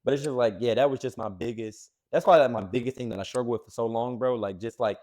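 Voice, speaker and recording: A man's voice: mid-range voice, quick pace, darkish tone. A man in his late twenties co-hosting a podcast, rambling in casual chat with heavy slang and lots of fillers. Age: late 20s. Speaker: podcast co-host.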